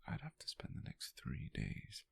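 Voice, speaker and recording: A British man playing a tender, playfully teasing boyfriend in an intimate ASMR roleplay, murmuring softly and affectionately in a breathy whisper, close to the microphone. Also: no room sound, close to an everyday voice. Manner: soft, slow, affectionate, with murmured pauses.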